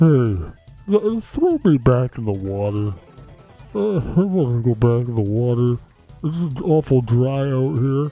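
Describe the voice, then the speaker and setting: Over faint background music, a man puts on a character voice at a medium pitch and a fairly slow pace. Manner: plaintive, complaining.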